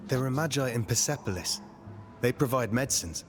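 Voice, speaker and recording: An actor playing a resolute, earnest young warrior in a video game, speaking in a terse, steady way. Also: male voice, medium pitch, brisk, soft background music, close to an everyday voice. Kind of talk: video game cutscene acting.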